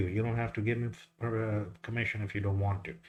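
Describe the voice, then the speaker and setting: A somewhat breathy man with a fairly low pitch at a moderate pace, against a quiet background. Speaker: affiliate marketing YouTuber. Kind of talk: video review. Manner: halting, many fillers; casual.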